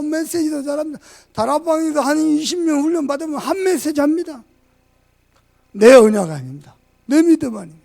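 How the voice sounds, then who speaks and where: Male pastor, fervent sermon delivery; very high, gravelly voice; loud peaks and hushed asides. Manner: fervent preaching, swinging from shouts to quiet asides. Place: church sanctuary.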